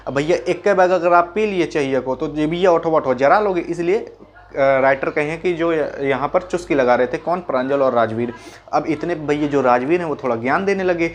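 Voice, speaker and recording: A man talks through a school chapter like a friendly tutor. His voice sits a little high for a man, and he keeps stopping to quiz himself and answer, calling his listeners brother along the way. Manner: chatty, repeats key points as quick questions and answers; folksy, calls listeners brother and mimics sounds. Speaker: teacher. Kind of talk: casual Hindi lesson explaining a chapter.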